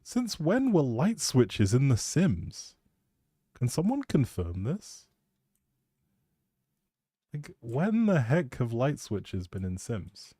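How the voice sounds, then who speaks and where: A man chatting casually on a live game stream, informally thinking out loud as he goes. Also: mid-range voice, wildly swooping pitch, slow pace, pauses often, dry recording, studio quality.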